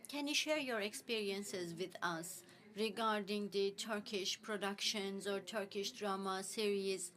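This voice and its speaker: A woman giving live spoken interpretation into English for a panel, speaking in halting phrases with frequent restarts and fillers. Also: medium pitch, a bit bright.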